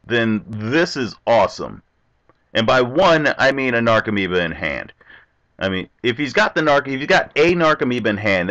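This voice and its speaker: A young man casually commentating his online card game, chatty and talking to his opponent. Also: on the low side. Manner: chatty, animated, talks to himself and the opponent. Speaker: gameplay commentator. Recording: dull lo-fi recording.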